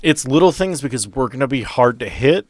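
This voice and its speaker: A man's voice: medium pitch, animated, fairly quick, no echo. A man casually coaching others through tabletop game rules, instructive with some dry teasing. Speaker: experienced player coaching the game master. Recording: music playing behind the voice.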